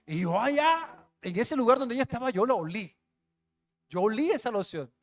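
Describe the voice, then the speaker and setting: Emotional young pastor telling a testimony. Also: male voice, very high-pitched, animated, normal speed. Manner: conversational, emotional storytelling with street slang. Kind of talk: testimony sermon.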